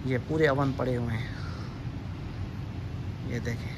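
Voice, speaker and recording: A man's voice: medium pitch, steady tone, unhurried. A man walking through a supermarket with his phone, leisurely pointing out the goods and reading their prices. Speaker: vlogger. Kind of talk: walking store tour vlog. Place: large indoor supermarket. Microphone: handheld phone camera. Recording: noisy store ambience.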